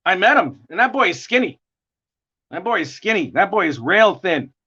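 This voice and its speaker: A man with a gravelly voice and a New York accent, chatting in a rambling way while he draws on a livestream. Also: high-pitched, sing-song, normal speed, pushed and bright. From United States. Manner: chatty, rambling, chuckling often. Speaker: artist livestreaming a drawing session. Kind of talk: casual chat while drawing. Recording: dull lo-fi stream audio.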